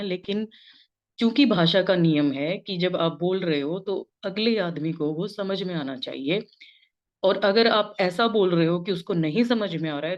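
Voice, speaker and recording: A woman from India with a Hindi accent, an English lecturer giving an informal spoken lesson and mixing English phrases into her explanations. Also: lowish voice. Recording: dull lo-fi recording.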